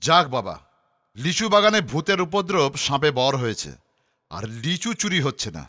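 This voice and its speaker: A man's voice: fairly high pitch, sing-song, measured pace, sharp tone, heavily acted. A man voicing a fussy, pompous king in a children's cartoon, with an exclamatory, scolding way of talking. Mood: relieved. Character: fussy, exasperated king scolding his courtiers. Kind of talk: animated children's cartoon acting.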